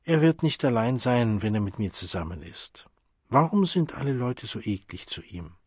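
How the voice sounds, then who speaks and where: A man's voice: medium pitch, sing-song, normal speed, darkish tone, breathy edge, no room sound, clean studio sound. A man voicing a flippant, self-assured young woman in an audiobook reading.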